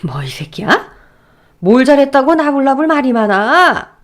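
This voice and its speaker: Lady doing a gruff old rich dad, low and scolding, voice jumps all over, storybook reading. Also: sing-song, normal speed. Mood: furious. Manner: gruff, sneering, shouting insults. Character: furious rich old father, blunt and scolding.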